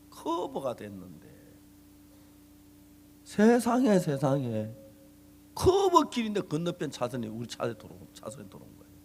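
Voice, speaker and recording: A middle-aged male pastor preaching a sermon, telling a story in an animated way and acting out a quarrel in different voices. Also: mid-range voice, vocal fry, a little hiss or hum. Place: church hall. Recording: long hall reverb.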